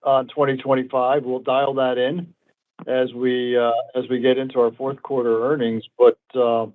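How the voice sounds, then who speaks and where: Male executive, mid-pitched, emphatic and assured in earnings call answers, tinny phone-conference sound. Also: flat delivery, normal speed. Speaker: company executive answering analysts.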